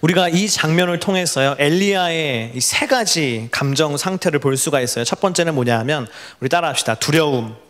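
A man's voice: on the high side, brisk, few pauses. A young adult man preaching a sermon to college students, telling stories with animation and having the congregation repeat words after him. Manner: animated storytelling, leads the congregation in call-and-response. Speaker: pastor.

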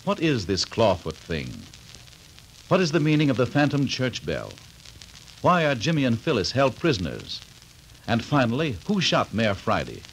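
A man's voice: medium pitch, wildly swooping pitch, normal speed, fairly bright tone, slight background noise, rough recording. A man announcing and narrating a 1940s radio drama in a dramatic, ominous way. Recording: old radio broadcast with faint music.

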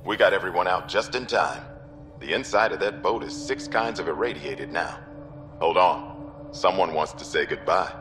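Middle-aged game settler leader, lowish voice, folksy, genial, wry, music behind. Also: male voice, lively intonation, normal speed. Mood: warm, relieved. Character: genial, seasoned older male space settler leader. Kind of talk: video game dialogue acting.

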